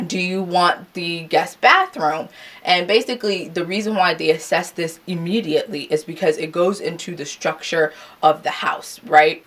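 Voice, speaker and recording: A young woman talks straight to the camera in a loose, chatty vlog. Her voice sits low for a woman, and she gets animated and laughs at her own asides as she goes. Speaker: vlogger. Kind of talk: casual chat to camera.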